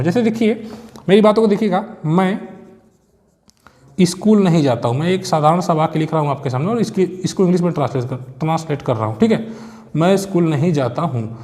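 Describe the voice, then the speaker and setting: Preparing students for an exam, a man teaching grammar walks through each step, makes sure the class follows, and slows to go through example sentences word by word. His voice sits high and is a little mellow, with a long reverb tail.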